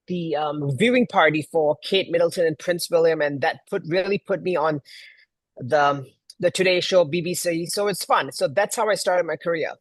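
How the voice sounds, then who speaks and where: A middle-aged Malaysian man, a guest who works as an event planner, chats casually in an interview with plenty of ums and restarts. His voice is fairly high-pitched and the recording is dry.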